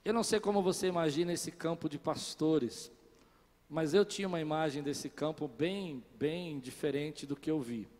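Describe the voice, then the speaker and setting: A man's voice: on the high side, moderate pace, a little mellow. A man preaching a sermon as a pastor, telling a story and speaking straight to his listeners, rising to emphatic peaks. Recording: long reverb of a large hall.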